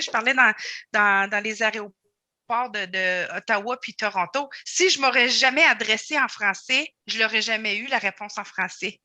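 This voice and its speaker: A woman's voice: a little high, sharp tone, dry recording. A woman speaking on a casual panel. She argues steadily and persuasively, building her point step by step.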